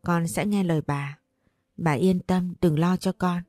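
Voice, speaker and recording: A woman's voice: lowish voice, steady tone, a little slow, no room sound, studio quality, natural voice. Woman voicing a remorseful young prisoner. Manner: contrite, gentle.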